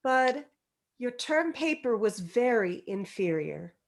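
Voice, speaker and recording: A high-pitched female voice plays a stern but fair schoolteacher , acted by a woman at a table read. She addresses her pupils like someone reading a film script aloud. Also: sing-song, slow, full character voice. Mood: earnest, firm. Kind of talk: virtual table read of a screenplay.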